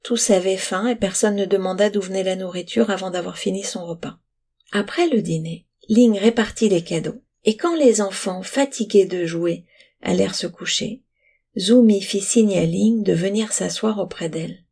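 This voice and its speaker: A woman reading a storybook aloud with calm, even narration. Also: mid-range voice, moderate pace, vocal fry, husky.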